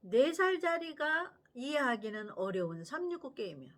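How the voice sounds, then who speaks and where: An older woman preaches with a high voice that leaps up and down dramatically. She tells stories with vivid energy and drops into hushed whispers to drive a point home. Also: moderate pace. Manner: animated storytelling, dropping to whispers for emphasis. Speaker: pastor. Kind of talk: sermon.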